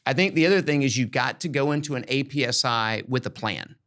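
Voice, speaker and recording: Briskly and in a somewhat bright mid-range voice, a podcast host with education expertise chats informally, giving folksy, emphatic encouragement about how to teach.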